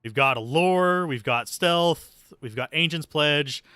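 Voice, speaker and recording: Speaking slowly in a fairly high, sharp voice, this male streamer and host swears casually through live gameplay commentary, trading sardonic, self-deprecating remarks with viewers. The tone is clean and free of echo.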